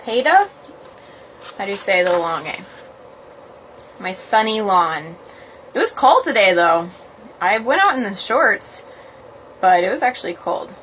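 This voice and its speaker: A woman's voice: on the high side, a bit bright, a little hiss or hum, poor audio. A woman casually hosting a livestream as a yoga blogger, chatty and informal, in a small room. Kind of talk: casual livestream chat, with halting read-aloud. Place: small, cold, uninsulated cottage room. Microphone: phone livestream.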